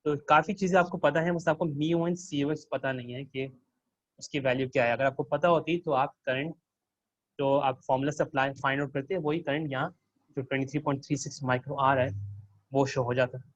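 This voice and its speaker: A man's voice: medium pitch, steady tone, brisk, dry recording, dull audio. A man working as a teaching assistant, walking students through a circuit simulation and quizzing them with questions.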